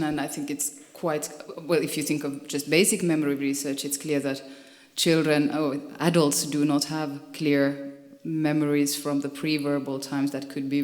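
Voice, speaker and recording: A woman speaking on a panel discussion, reflective and prone to restarts, with easy laughter. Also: low-pitched. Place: lecture hall. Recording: echoey hall.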